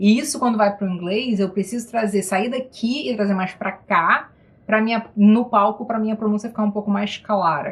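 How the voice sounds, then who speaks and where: A woman talks at a very fast pace with a slight Brazilian accent. Her voice is fairly high and somewhat breathy, with ordinary pitch variation. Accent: Brazilian, slight closed sound in English. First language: Portuguese. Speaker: English pronunciation teacher. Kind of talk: pronunciation tutorial conversation.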